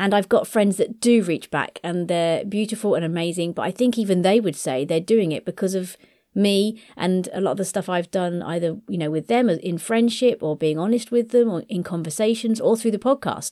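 A woman with a British accent speaks in a dark, mellow tone at a fairly quick pace with hardly any pauses. The recording is very clean, with a silent background. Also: medium pitch for a woman, ordinary pitch variation. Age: 40s. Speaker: podcast host. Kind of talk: unscripted solo monologue. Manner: casual with some hesitations.

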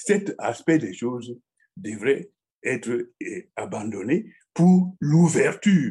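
This man's voice sits high in pitch and carries a dark, mellow tone. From Cameroon. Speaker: philosopher and politician. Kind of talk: interview discussion. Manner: halting.

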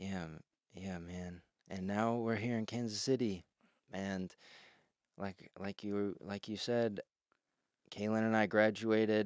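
Speaking with an American accent, a man with a fairly low pitch talks at a fairly slow pace with fairly even intonation and long, frequent pauses. The sound is dry and close with no echo, on a very clean recording with a silent background. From rural Missouri, US Midwest. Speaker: fashion designer. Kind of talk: casual interview.

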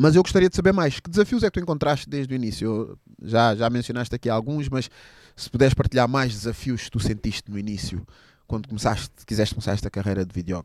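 Speaking at a very fast pace, a man uses lively intonation at a medium pitch, with big swings in loudness. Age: 30s. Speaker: podcast host. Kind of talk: casual interview.

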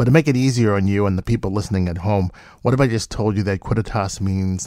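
The recording is very clean with a silent background, capturing a man with an ordinary speaking voice, fairly low in pitch, with ordinary pitch variation. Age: 50s. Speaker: podcast host. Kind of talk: interview.

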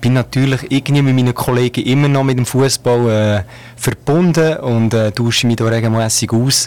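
Fairly quick speech from a man at medium pitch, fairly even in intonation, amid noticeable background noise. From Switzerland, Canton Solothurn. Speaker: insurance agency manager. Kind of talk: radio interview. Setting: radio studio.

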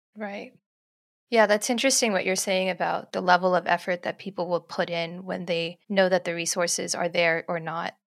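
In a very clean recording with a silent background, a woman with a normal speaking voice talks at a moderate pace in a medium pitch, her intonation fairly even. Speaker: podcast host. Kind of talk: interview.

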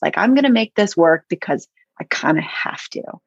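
A woman's fairly high pitch with very wide pitch swings and vocal fry, in a dry, close sound with no echo. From US, moved around; high school in Las Vegas. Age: 40s. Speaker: actor. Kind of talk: casual chat.

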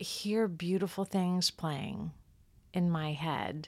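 A woman with a normal speaking voice talks at a fairly slow pace, fairly low in pitch with fairly even intonation, on a very clean recording with a silent background. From US Midwest/South (Louisville, Kentucky and Chicago). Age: 50s. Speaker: singer-songwriter. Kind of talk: casual chat. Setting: studio.

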